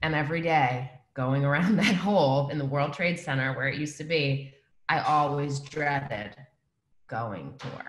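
Somewhat breathy and very deep and low in pitch, a woman with a New Jersey accent is heard with audible room echo. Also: ordinary pitch variation, moderate pace. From New Jersey, US. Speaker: songwriter and producer; guest. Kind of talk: casual interview. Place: home room. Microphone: video call.

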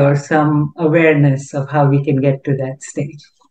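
Woman with very deep, low pitch and a dark, mellow tone, plus audible room echo. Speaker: audience member asking questions; audience member. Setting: video call. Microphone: video call.

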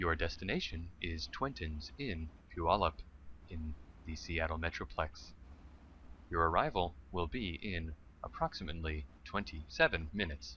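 A robotic, put-on character voice from a man with a very deep, low pitch, a moderate pace and long, frequent pauses, over clear background noise. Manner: calming.

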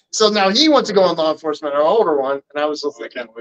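A man's fairly high voice at a very fast pace, with ordinary pitch variation and a dry, close sound with no echo. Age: 50s. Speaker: martial arts instructor. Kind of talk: interview.

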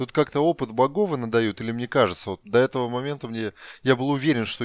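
In a plain, everyday voice, a man of medium pitch talks at a fairly quick pace with ordinary pitch variation, the sound dry and close with no echo over a quiet background. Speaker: gaming video creator. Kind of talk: let's play commentary. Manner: casual, profane.

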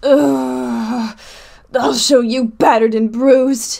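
A shrill, fairly high put-on character voice speaks at a very slow pace. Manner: screeching, furious, defiant.

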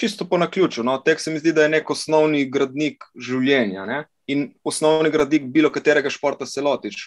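There is a quiet background here. A man talks with a fairly high voice. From Slovenian coast, near Portorož; Slovenia. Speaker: ultramarathon runner; podcast guest. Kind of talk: casual interview. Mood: reflective, talkative. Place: home room.

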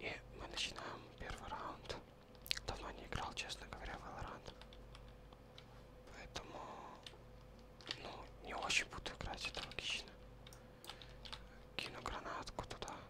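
A man talks at a moderate pace with long, frequent pauses. Loud background noise runs underneath. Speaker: ASMR gaming creator. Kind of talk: gaming commentary. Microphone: studio mic.

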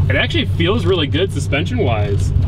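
Loud background noise fills the recording. A man talks at a moderate pace. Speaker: vlogger. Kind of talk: casual vlog chat. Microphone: camera far.

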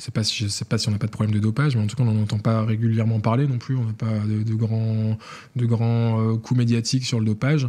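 On a very clean recording with a silent background, a man of medium pitch speaks fairly quickly in a dark, mellow, somewhat breathy tone with flat, monotone intonation. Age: 20s. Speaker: sprinter, elite athlete. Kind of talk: interview conversation. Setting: coaching studio in Paris.

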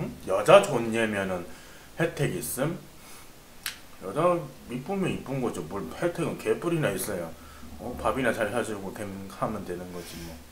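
With long, frequent pauses and big swings in loudness, a man talks at a fairly slow pace with very wide pitch swings, amid audible room echo and light background noise. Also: medium pitch for a man. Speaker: mukbang streamer. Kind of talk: casual chat. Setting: studio. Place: home room.

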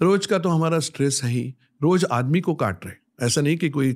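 The background is quiet as a man talks at a fairly slow pace. His pitch is fairly high and swings very widely. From India. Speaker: cancer surgeon. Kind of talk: interview. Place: studio. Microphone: studio mic.

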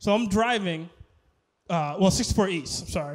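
A man speaks in an animated tone with ordinary pitch variation against a quiet background. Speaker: stand-up comedian. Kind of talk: stand-up comedy set, acting out a drunken citizen's-arrest story. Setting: stage with live audience. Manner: animated, escalating into mock-yelling while acting out the scene; laughs at his own punchlines mid-story. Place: stage. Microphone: handheld.

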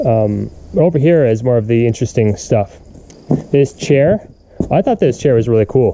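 The pace is moderate. Light background noise can be heard. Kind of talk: casual vlog chat. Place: garden. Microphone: phone near.

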